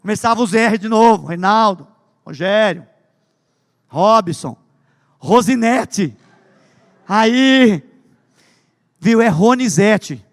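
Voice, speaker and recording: A man preaching a sermon with humorous stories, swinging between loud emphasis and hushed asides. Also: high voice, animated, slow pace, long pauses, in a large hall. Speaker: pastor.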